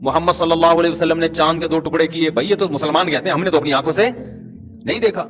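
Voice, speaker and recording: Animated man preaching a lively sermon. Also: fairly high pitch, faint music behind. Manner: animated, rhetorical, teasing the audience. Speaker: Islamic preacher. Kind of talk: conversational sermon.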